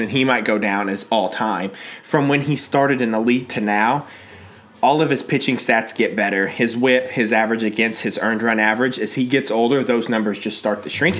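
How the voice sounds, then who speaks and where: A man in his thirties chatting casually as co-host, animated and talkative, jumping from TV to baseball. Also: mid-range voice. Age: 30s. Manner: animated, talkative, quick bursts of excitement. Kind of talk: casual chat and sports talk.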